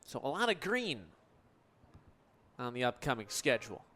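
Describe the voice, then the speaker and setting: A man's voice: medium pitch, big pitch swings, normal speed, pushed and bright. A young American man in his twenties calling sports play-by-play for radio in articulate, flowing descriptive calls. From United States. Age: 20s.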